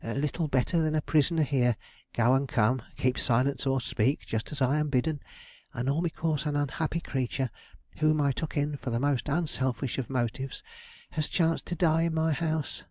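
A man voicing an anxious, aggrieved middle-aged landlady, raised high and fretful in her protests. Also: moderate pace, a little mellow, no room sound, close to an everyday voice.

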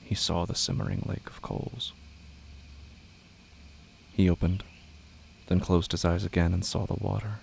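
Low, gravelly man narrating in an even tone. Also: measured pace, long pauses, slight background noise. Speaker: narrator of a horror audio drama. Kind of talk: scripted dramatic narration.

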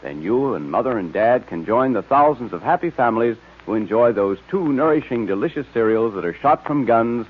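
A man delivers a lively, persuasive 1940s radio announcement. His voice is slightly husky and swings widely in pitch. It comes through as a thin, tinny old radio broadcast. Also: fairly quick, few pauses.

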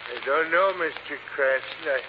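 A man's voice: a little high, normal speed, lightly acted. A man playing a dim, deferential cab driver sidekick in an old radio drama. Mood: sheepish, woozy. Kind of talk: 1940s radio drama acting. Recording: noisy dull old radio recording.

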